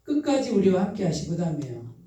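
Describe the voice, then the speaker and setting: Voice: medium pitch, sing-song, far from the mic. Pastor preaching in an echoey church hall. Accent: Chungcheong Korean. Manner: asks the congregation questions and answers them; repeats key phrases slowly and softly for emphasis. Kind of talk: midweek sermon. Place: church sanctuary.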